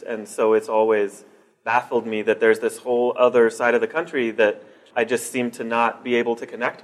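A man from Denver, speaking thoughtfully in an interview with frequent halting restarts. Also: medium pitch. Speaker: guest. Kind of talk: conversational interview.

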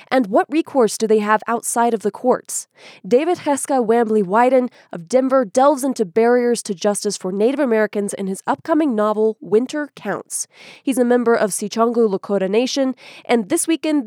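A woman with a fairly high voice hosts a public radio show. She speaks clearly and composedly. The studio sound is dry and close. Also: darkish tone, no room sound.

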